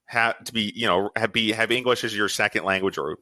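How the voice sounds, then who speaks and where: Bright-voiced man hosting a podcast. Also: lowish voice, brisk, no echo. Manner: rambling, hesitant, many restarts and fillers. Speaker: podcast host. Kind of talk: podcast interview.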